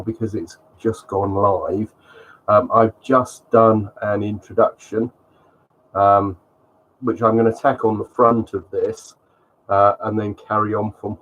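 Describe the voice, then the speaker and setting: With a fairly low-pitched voice and a muffled recording, a sniffly man with a cold hosts a live stream. He gives rambling, casual commentary on slides, filled with ums.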